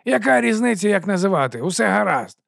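A man voicing a shifty street vendor who talks in a loud, wheedling sales patter. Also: high voice, sing-song, quick pace, creaky, dry recording, clean studio sound, pitched above the performer's own voice, heavily acted. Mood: hawking. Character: shifty pushy male street sausage vendor.

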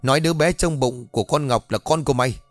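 A man voicing a cruel, sharp-tongued older woman who rules a household, in a spoken ghost story. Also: mid-range voice, quick pace, dry recording, faint music behind, close to an everyday voice. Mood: menacing. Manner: harsh, sharp-tongued scolding.

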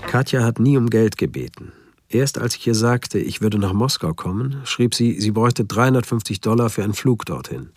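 An actor playing a trusting, lovelorn man giving a plain, subdued first-person account in a radio drama, with a husky voice. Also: fairly low pitch, animated, normal speed, dry recording. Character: trusting, lovelorn male victim of romance scam.

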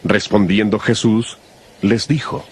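A man's voice: lowish voice, fairly even intonation, slow, breathy edge. A man reading scripture as the narrator of a dramatized audio Bible, in a scripted narration style.

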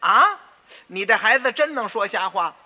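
男说书人扮的气急败坏的豪门管家. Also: male voice, high voice, lively intonation, normal speed, voice pushed up. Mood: indignant. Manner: loud, blustering, indignant. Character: group of pompous, indignant rich-house stewards. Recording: dull radio recording with long reverb.

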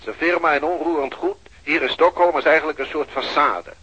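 An actor playing an insistent police chief pressing a detective for quick results, in a radio drama. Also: male voice, a little high, sharp tone, husky, highs cut off. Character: pushy police chief, middle-aged man.

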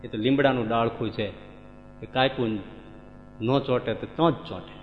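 A man telling a devotional story in an animated, dramatic sermon style, recorded in an echoey hall with dull sound. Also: mid-range voice, normal speed, faint music behind. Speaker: religious storyteller.

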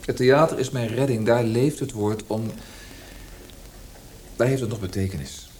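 A man's voice: mid-range voice, moderate pace, darkish tone, a little hiss or hum, lightly acted. An actor playing a disillusioned, reflective male poet with a dry irony, in naturalistic radio play dialogue. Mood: weary, earnest. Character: disillusioned Austrian poet, thoughtful and wry husband.

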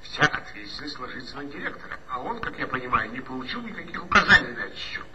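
An actor playing a male police officer in a 1960s radio play who reports briskly and dutifully by radio. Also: mid-range voice, sing-song, crowd noise, natural voice. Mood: concerned.

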